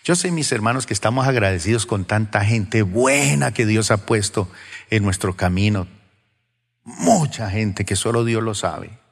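A pastor preaching to his congregation, dramatic and questioning, going from loud exclamations to hushed whispers. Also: on the low side, long reverb tail. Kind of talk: sermon. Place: church.

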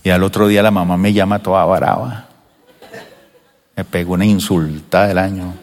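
An older man preaching a sermon to his church, animated and acting out children's voices now and then. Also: low-pitched, moderate pace. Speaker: pastor. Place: church sanctuary. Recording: long reverb of a church hall.

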